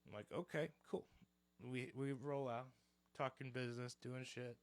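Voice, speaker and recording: A man co-hosting a podcast, telling a story in casual chat, animated and profane, acting out the quotes. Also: medium pitch, moderate pace, no echo. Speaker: podcast co-host.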